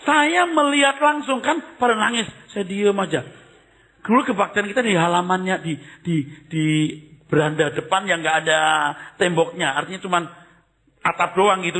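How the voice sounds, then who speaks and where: Older man, pastor; conversational sermon, big swings from shouts to near-whispers, somewhat high voice. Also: lively intonation, fairly quick. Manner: conversational preaching, swings from loud exclamations to hushed asides.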